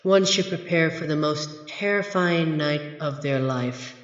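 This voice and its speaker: A man playing a grumpy, haughty monster from under a child's bed in an audio roleplay, speaking in a dry, pompous, deliberate way with exasperated sighs. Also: on the high side, dull audio, close to an everyday voice. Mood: scheming. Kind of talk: scripted ASMR roleplay audio drama. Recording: echoey, reverberant room effect.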